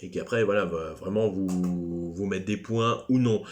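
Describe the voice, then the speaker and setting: A man's voice: low-pitched, normal speed. A man teaching a recorded French class lesson, chatty and digressive, with self-deprecating asides.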